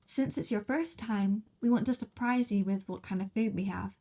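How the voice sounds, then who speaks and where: A woman's voice: mid-range voice, normal speed, warm tone, close to an everyday voice. A woman playing a sweet, hungry young vampire mistress in an ASMR roleplay, talking in a casual, playful, giggly way. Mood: playful, friendly.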